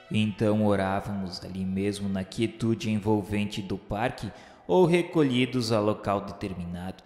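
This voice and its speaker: A Brazilian man playing a remorseful male spirit who narrates a radio novela in solemn, formal, literary diction. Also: lowish voice. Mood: sorrowful, remorseful. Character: remorseful male spirit of a suicide recalling the afterlife. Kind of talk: dramatized first-person narration of a radio novela. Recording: echoey hall reverb with music.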